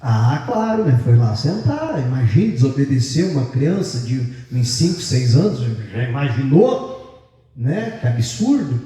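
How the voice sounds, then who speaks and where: A man's voice: medium pitch, sing-song, measured pace, dark tone. A Brazilian man preaching a sermon as pastor, in a chatty, joking storytelling manner, in a large church. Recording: echoey church from a distance.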